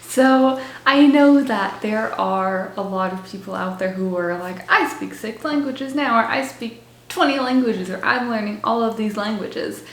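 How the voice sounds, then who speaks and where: Young woman vlogger, fairly high voice, chatty and giggly, echoey room. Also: a little slow. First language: English. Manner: bubbly, laughs often between words, chatty with many "like" fillers. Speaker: language-learning vlogger. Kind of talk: casual talk to camera.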